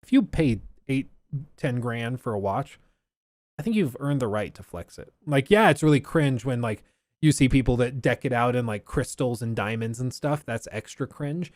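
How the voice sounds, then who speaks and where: A man streaming live reactions to a game showcase, talking casually and enthusiastically with plenty of filler. His voice sits at a mid pitch and sounds dry and close on the mic. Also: animated, normal speed, a little mellow, no echo. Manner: chatty, enthusiastic, loose with fillers.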